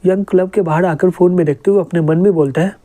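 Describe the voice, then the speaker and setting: Male narrator for a comic recap, warm low-brightness tone, reads every role in his own voice. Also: fast. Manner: even storytelling, "he says" before each quote. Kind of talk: scripted narration, reading every character plainly.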